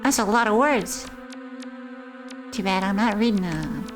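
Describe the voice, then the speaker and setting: A woman's voice: medium pitch, a little slow. A woman streaming a game, casually commenting and reading on-screen poems aloud. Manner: reads in-game poems aloud, chats to chat. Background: game music and insect sounds.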